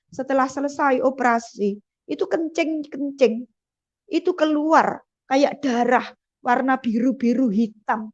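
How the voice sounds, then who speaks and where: A woman, giving an emotional personal testimony and acting out the dialogue in her story. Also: high-pitched. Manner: vivid storytelling with quoted dialogue. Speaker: testimony speaker. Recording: dull lo-fi sound.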